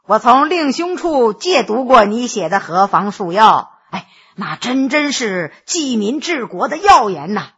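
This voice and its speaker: A woman's voice: a little high, very animated, unhurried, a bit bright, husky, highs cut off, pitched below the performer's own voice, exaggerated voice. A woman doing a jovial boastful male scholar. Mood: flattering. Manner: teasing, boastful, many interjections. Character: jovial scheming male scholar, middle-aged.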